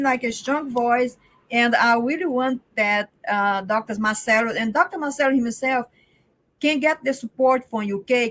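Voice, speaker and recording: A woman, speaking earnestly and haltingly as a guest on a video call interview. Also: fairly high pitch, fairly bright tone. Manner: earnest, halting, many restarts. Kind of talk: casual interview talk.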